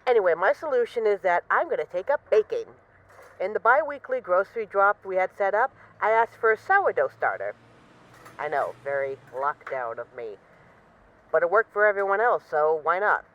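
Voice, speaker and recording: A woman's voice: mid-range voice, sing-song, normal speed, lo-fi sound, natural voice. A woman playing a self-assured, bored mafia boss in an intimate voice-message roleplay, wry, boastful and affectionately teasing her partner. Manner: wry, boastful, teasing, mock-indignant, swearing casually.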